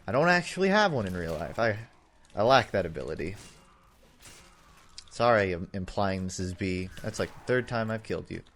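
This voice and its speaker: A man's voice: sits low, expressive, moderate pace, fairly bright tone. A young man giving casual, rambling commentary over his game footage, full of sarcastic, self-mocking jokes. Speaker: gaming YouTuber.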